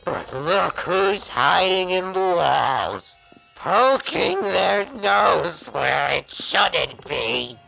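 An actor playing a sadistic, vengeful monster in a horror audio drama, with gravelly, mocking menace. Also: medium pitch, animated, bright, forceful tone, soft background music, full character voice, poor audio. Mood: vengeful, taunting. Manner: menacing, drawn-out, mocking taunts.

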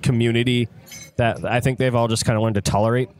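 A man from the United States hosting a casual podcast chat, reacting in a slangy, animated way. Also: medium pitch, fast talker. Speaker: podcast host. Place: restaurant.

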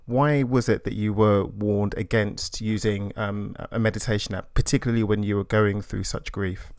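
A man hosting a podcast, reading a scripted introduction and asking interview questions in a measured, polite way. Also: fairly low pitch, fairly even intonation, darkish tone, clean tone, no echo, clean studio sound. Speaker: podcast host.

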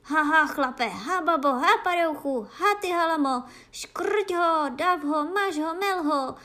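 An excitable male guard dog from a storybook, acted out by a woman in a high voice. He is fierce and eager, firing off short, repeated exclamations. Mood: ferocious, shouting. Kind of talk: children's fairy tale reading.

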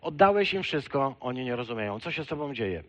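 A man preaching an earnest sermon, speaking straight to the listener, rising to emphatic peaks and then dropping low. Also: sing-song, fast talker. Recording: dull lo-fi sound.

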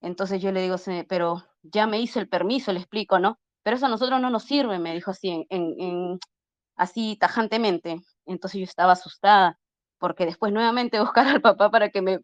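A woman's voice: mid-range voice, no echo. A middle-aged woman tells a personal story in a casual, earnest way, voicing the people in it as she goes and often restarting her sentences. The audio is dry and a little muffled, close and lo-fi. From Peru. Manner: earnest, acts out dialogue while retelling, frequent restarts. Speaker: interview guest.

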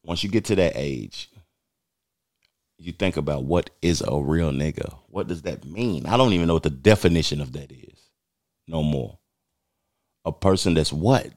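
Deep-voiced man in his forties, blunt. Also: lively intonation, normal speed, long pauses, darkish tone, dry recording, clean studio sound. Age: 40s. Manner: blunt, emphatic, streetwise talk. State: losing his voice. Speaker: podcast host. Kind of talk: casual commentary.

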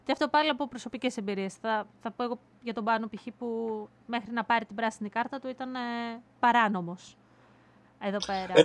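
A woman from Greece hosting a casual podcast chat, talkative, lively and teasing. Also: fairly high pitch. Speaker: podcast host.

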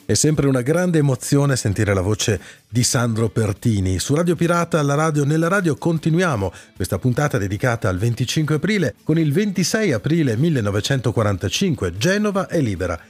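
A man's voice: medium pitch, sing-song, a little fast, a little mellow. A man hosting a radio show, reading scripted historical-style narration in the manner of a presenter. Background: background music.

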